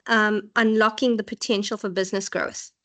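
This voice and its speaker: A woman's voice: medium pitch, fairly even intonation, moderate pace, a bit bright. A woman, talking informally as a student presenting her research idea to a lecturer.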